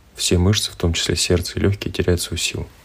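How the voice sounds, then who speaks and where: A man speaks with a very deep, low pitch. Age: 40s. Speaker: parent of a child with muscular dystrophy, company director. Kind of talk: recorded personal testimony.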